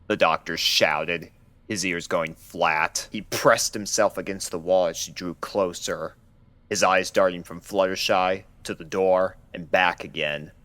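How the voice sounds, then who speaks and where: A man narrating a scripted horror story in a measured, dramatic storytelling manner. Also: deep voice, steady tone, a bit bright, no room sound. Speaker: narrator of fan fiction readings.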